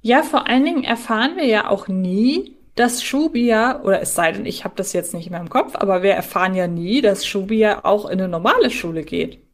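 Mid-pitched woman in casual podcast conversation. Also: lively intonation, moderate pace, hardly any pauses. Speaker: podcast co-host.

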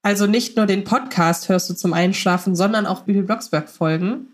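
A woman's voice: medium pitch, moderate pace. A woman hosting a podcast in a conversational moderating style. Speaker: podcast host.

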